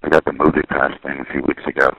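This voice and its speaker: A man's voice: a bass voice, little pitch movement, quick pace, a bit bright, lo-fi sound. A middle-aged man talking over a payphone line from a city street, musing and rambling, often correcting himself. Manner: musing, digressive, self-correcting. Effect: heard over a payphone line. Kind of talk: rambling monologue on a phone line.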